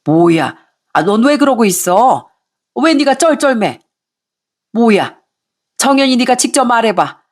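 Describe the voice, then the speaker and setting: A woman voicing an angry middle-aged mother-in-law who scolds and nags in a shrill voice. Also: sing-song. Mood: scolding. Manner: shrill, scolding, rapid nagging.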